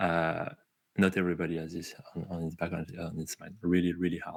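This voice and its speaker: A man with a Parisian accent speaks at a moderate pace in a very deep, low pitch. The recording is very clean, with a silent background. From France, Paris. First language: French. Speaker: tech company co-founder and executive. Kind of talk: interview conversation. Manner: hesitant, many fillers.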